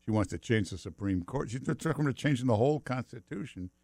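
A man's voice: medium pitch, expressive, fast talker, creaky, darkish tone, no echo, studio quality. An older man hosting a call-in radio show, blunt and sarcastic, leaning hard on his points. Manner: blunt, sarcastic, emphatic storyteller. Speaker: radio talk show host. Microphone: studio mic.

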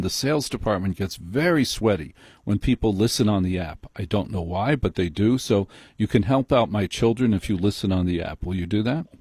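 A man's voice: on the low side, darkish tone, husky, dry recording, clean studio sound. An American man hosting a live call-in radio show, chatting casually and explaining things courteously. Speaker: radio talk show host. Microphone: close studio broadcast mic.

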